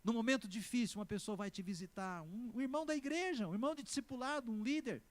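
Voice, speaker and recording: A man with a Brazilian Portuguese accent preaching a sermon as pastor. He is emphatic, swings between loud exclamations and slow, stressed words, and keeps calling on the congregation to answer. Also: very high-pitched. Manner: asks the congregation for responses.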